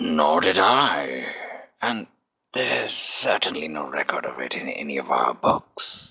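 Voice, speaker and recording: A man does a put-on character voice, pitched very deep and low and delivered at a fairly slow pace. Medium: audio drama. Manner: prim, fretful.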